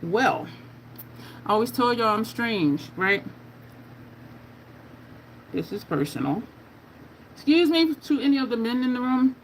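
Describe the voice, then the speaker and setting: A woman's voice: a little high, very animated, unhurried, pauses often, slight background noise, rough recording. A woman in her fifties chatting candidly while doing her makeup, answering viewer questions in a frank, conversational way. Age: 50s. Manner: candid, chatty, reading viewer comments aloud. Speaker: makeup vlogger.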